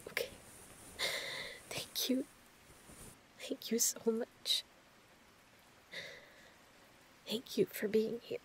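A woman playing a distraught, apologetic woman seeking comfort at night, crying and speaking softly and haltingly in an intimate audio roleplay. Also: fairly high pitch, steady tone, in a whisper, rough recording. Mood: quiet, weary. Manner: halting, apologetic, soft-spoken. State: crying, upset.

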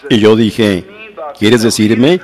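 Man, lowish voice, sermon, slow measured storytelling, repeats and restarts words. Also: darkish tone. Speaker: preacher. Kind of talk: sermon in Spanish translation.

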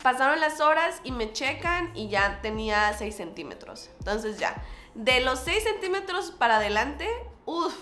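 Mexican woman, casual vlog storyteller, fairly high voice, echoey room with faint music behind; lively, acts out the other voices. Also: a little slow. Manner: animated, acts out quoted dialogue with lots of fillers. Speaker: vlogger.

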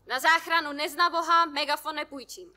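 A pompous street preacher with a megaphone, slow and sanctimonious, as a woman reads him out. His lines drag out in a high, very bright voice. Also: steady tone. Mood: preachy. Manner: preachy, drawn-out proclaiming.

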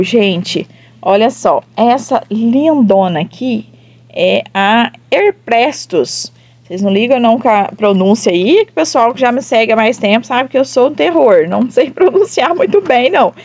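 A woman from Brazil with a southern Minas Gerais accent, showing her succulents to followers in an excited, gushing way and talking straight to viewers. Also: high voice, no echo, lo-fi sound. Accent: southern Minas Gerais Portuguese. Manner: gushing, enthusiastic, addresses viewers often. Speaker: succulent grower and seller. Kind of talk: casual plant showcase to followers.

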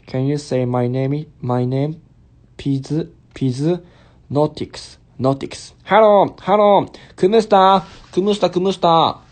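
A man's voice: fairly high pitch, slow pace, a little mellow. A man in his twenties, a Japanese speaker with a Kansai accent, chatting casually on a livestream as he reads out comments and slips in simple English phrases. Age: 20s. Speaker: stage actor hosting a livestream. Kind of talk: casual livestream chat, reading out viewer comments. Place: small indoor bedroom or hotel room. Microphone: phone held close while lying on a bed.

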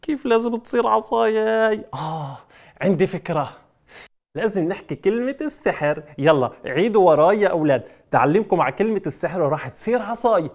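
With a high-pitched, expressive, darkish voice and a fast delivery, a man presents magic tricks to children. He coaxes them, leads call-and-response, and throws in playful exclamations in a lively children's-show style.

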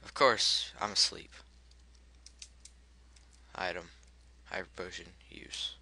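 A man's voice: low-pitched, slow, gravelly, sharp tone. Irritated man cursing through gameplay. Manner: frustrated, swearing at the game, muttering menu choices. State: voice cracking. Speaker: gameplay commentator. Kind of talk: let's play commentary.

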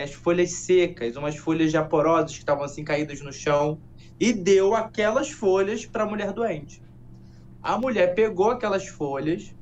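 A man with a voice a little higher than most, telling an old folk tale softly and without hurry. The sound is slightly dull, with a faint hum underneath, as in a studio broadcast. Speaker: guest, educator and storyteller.

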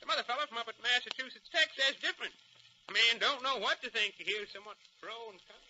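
A man acting a folksy, excitable small-town old-timer with a rural American accent in 1940s radio drama style. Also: extremely high pitch, fast, exaggerated voice. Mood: amazed, folksy. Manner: folksy, drawling dialect. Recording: muffled 1940s radio recording.

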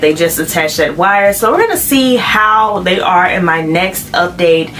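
A woman's voice: mid-range voice, a little hiss or hum, rough recording. A woman vlogger speaking with braces on, chatting casually to her viewers and calling them "you all" and "honey.". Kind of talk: casual vlog update.

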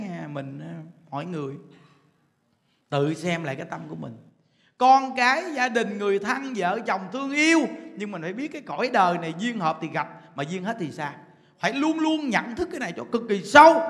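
High-voiced Southern Vietnamese preacher man. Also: fairly bright tone, in a large hall. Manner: rhetorical questions to the audience, chuckling, drawn-out emphasis. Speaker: Buddhist preacher. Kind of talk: dharma talk. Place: temple hall.

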